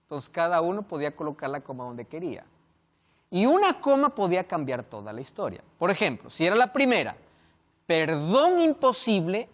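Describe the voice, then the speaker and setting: A man preaching a sermon, asking rhetorical questions and swinging from loud emphasis to hushed endings. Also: high voice.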